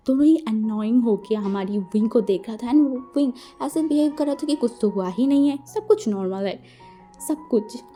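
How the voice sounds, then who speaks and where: A woman's voice: mid-range voice, mellow. A woman casually retelling a fan-fiction story as a channel host, chatty and full of filler phrases.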